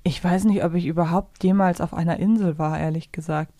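A woman's voice: lowish voice, steady tone, brisk, warm tone, dry recording. A woman co-hosting a conversational review podcast in standard speech, talking in a considered, articulate way. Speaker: podcast co-host.

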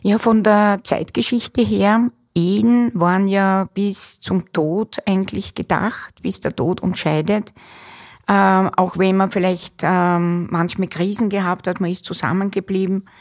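A woman, a dementia care expert giving measured answers in an interview, pausing often with fillers. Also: mid-range voice, fairly even intonation.

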